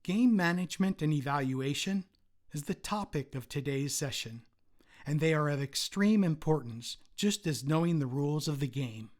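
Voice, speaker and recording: A man, a retired umpire, giving a formal prepared presentation at a convention in a measured, read-aloud way. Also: on the high side, lively intonation.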